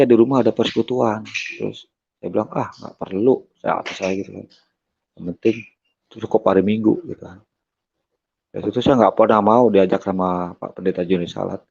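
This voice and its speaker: A man telling his personal testimony, hesitant and pausing often on fillers. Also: lowish voice, gravelly, a little mellow, husky. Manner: hesitant, strings events together with many fillers. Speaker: guest giving a testimony. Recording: dull lo-fi recording.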